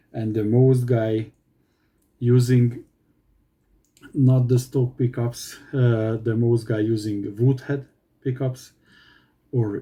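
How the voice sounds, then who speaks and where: A man with a Hungarian accent speaks very slowly in a medium pitch with fairly even intonation. His tone is dark and mellow and somewhat breathy. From Hungary. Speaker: bass guitar reviewer. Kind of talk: product demo. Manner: halting.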